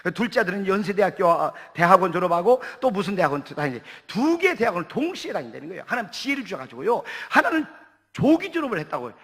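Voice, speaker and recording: A male pastor delivering a sermon in a church, his voice pitched high and his words coming quickly. He tells stories with a humorous, lively touch. A long hall reverb trails behind him. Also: slightly rough.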